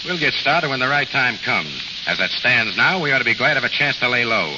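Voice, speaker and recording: An actor playing a terse, slangy American jewel-gang boss who gives orders coolly, in old radio drama style. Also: male voice, mid-range voice, animated, brisk, natural voice. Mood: stern, commanding. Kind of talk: 1940s radio drama acting. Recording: muffled, noisy, reverberant old radio broadcast.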